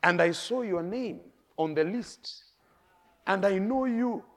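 A middle-aged man with a Kenyan accent, preaching a sermon with lively stories, laughing and swinging between soft and loud. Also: sits high, takes it slowly. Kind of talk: sermon with storytelling.

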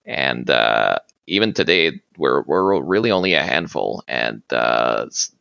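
A man's voice: extremely low pitch, lively intonation, unhurried, vocal fry, pushed and bright, smooth, dry recording, dull audio. A man whose first language is French, talking as a podcast guest, hesitant, with many fillers and restarts. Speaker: guest, martial arts practitioner. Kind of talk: casual interview talk.

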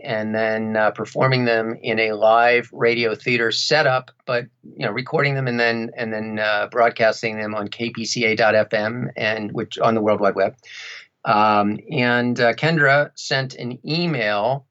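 A man's voice: mid-range voice, steady tone, a little slow, fairly bright tone, dull audio. An American man from the East Coast, talking casually as a podcast guest and sharing stories. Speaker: podcast guest, audiobook narrator. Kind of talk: casual conversational storytelling.

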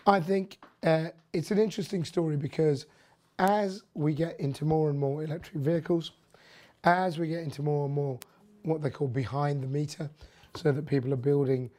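A hoarse host whose voice is nearly gone, leaving a husky, mellow, dark tone. The delivery is loose and casual, full of ums, restarts and opinionated side remarks as the host chats through the news. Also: medium pitch, fairly even intonation, normal speed. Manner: rambling, filler-heavy, opinionated asides. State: hoarse, losing voice. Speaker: podcast host. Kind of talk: casual energy news commentary.

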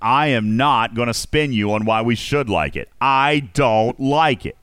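A man hosting a casual group discussion, asking questions and musing aloud in an animated way. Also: medium pitch, unhurried, clear, resonant tone, no room sound, studio quality. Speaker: podcast host.

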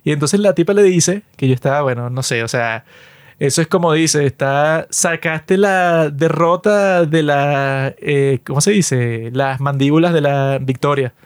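A man's voice: unhurried, smooth, dry recording, studio quality. A man co-hosting a casual chat show, retelling scenes animatedly and acting out the characters. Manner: animated retelling, acts out scenes with raised pitch. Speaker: podcast co-host.

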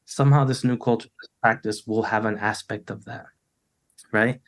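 In a reflective video-call interview, a middle-aged US poet speaks at normal speed in a lowish, steady voice. His delivery is loose, filled with "you know" and restarted sentences.

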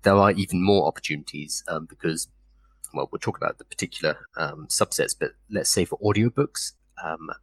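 A British man from South London with a slight lisp, co-hosting a casual live stream and explaining things in a relaxed, wry way. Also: low voice, a little fast, breathy edge, no echo. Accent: British English, South London tinge. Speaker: co-host.

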